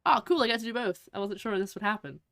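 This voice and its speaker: A woman's voice: medium pitch, quick pace, creaky, fairly bright tone, dry recording, studio quality. A woman streamer giving casual gameplay commentary with chatty, playful asides. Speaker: game streamer.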